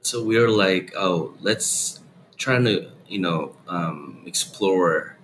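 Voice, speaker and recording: Deep-voiced man. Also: very slow, fairly bright tone, slight background noise. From South Korea. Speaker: company founder and guest. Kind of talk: interview answers.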